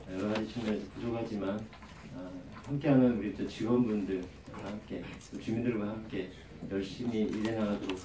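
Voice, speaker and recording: A man with a head cold gives a formal, measured press briefing as a government official, reading out official plans. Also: on the low side, mellow. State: has a lingering cold. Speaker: government official, city bureau director. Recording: roomy distant microphone, faint background noise.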